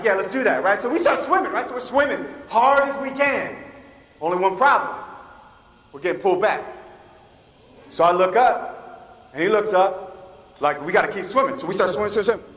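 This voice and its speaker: A man from Guam speaks as a keynote speaker to students and tells his story with lively energy, acting out each voice in it. His voice sits high for a man. The sound bounces around a large school hall with a long, ringing reverb. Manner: animated, acts out dialogue from his stories. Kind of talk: motivational storytelling talk to students.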